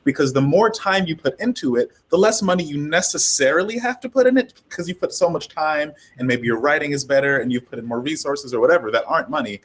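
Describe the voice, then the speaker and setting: Husky-voiced man talking things through. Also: fairly high pitch, expressive, quick pace, hardly any pauses. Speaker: audio drama creator and panelist. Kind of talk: casual panel discussion.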